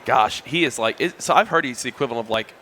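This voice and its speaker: A man with a bright, forward voice, bantering with his co-caster while they wait for a match to start. He keeps it light, joking and easygoing, over faint background noise. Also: mid-range voice, expressive, fast talker. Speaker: esports commentator.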